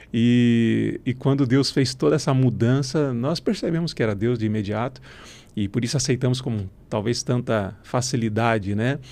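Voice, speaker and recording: Pitched in the medium range, the man's voice has a dark, mellow tone. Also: ordinary pitch variation, moderate pace. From Santa Catarina, Brazil (born in Curitiba, raised from childhood in Balneário Camboriú). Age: 40s. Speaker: pastor. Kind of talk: podcast interview, testimony.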